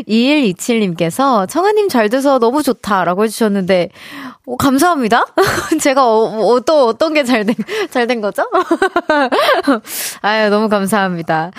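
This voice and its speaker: A woman's voice: mid-range voice, no echo. Young woman DJ reading listener notes on the radio, laughs a lot, dry close studio sound. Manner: chatty, laughs often between stories.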